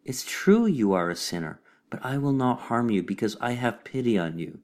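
A man's voice: mid-range voice, expressive, normal speed, lightly acted. A man voicing a sanctimonious, hypocritical white female cat in a storybook reading, talking in a sweetly preachy, cooing way.

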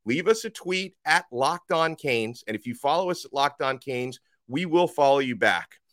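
A slightly hoarse male sports host in a studio, pushing his points with emphatic energy. His pitch sits in the middle for a man, and the room is very dry and close. He pounds each claim home as he builds. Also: moderate pace, no room sound. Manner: energetic, emphatic, rising to near shouts. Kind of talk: college football talk with ad read. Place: radio studio.

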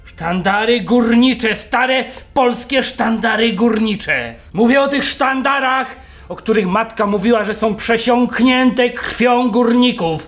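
An actor playing a bitter drunk man who shouts and rants at his family in a radio play. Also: very high-pitched. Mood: accusing. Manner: shouting, ranting, accusing. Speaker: radio drama character.

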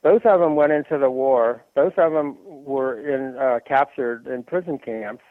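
A man talking sports on a radio show, halting and full of fillers and restarts. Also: medium pitch, no room sound. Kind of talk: rambling sports talk on phone. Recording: tinny phone line.

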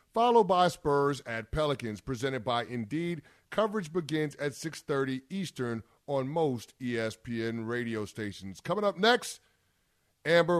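A man in his thirties hosting sports talk radio with a slightly high, energetic voice. He is brash and playful, delivering trash talk with confidence. The sound is dry and close-miked. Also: no echo. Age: 30s. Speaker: radio sports show co-host.

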